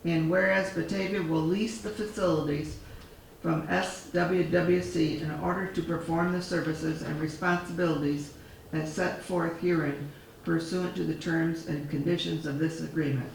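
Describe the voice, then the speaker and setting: A man on a town board reading a formal resolution aloud in a measured way, losing his voice, recorded in a town hall. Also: a little high, steady tone, gravelly. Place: town hall meeting room. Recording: echoey hall, far from mic, faint noise.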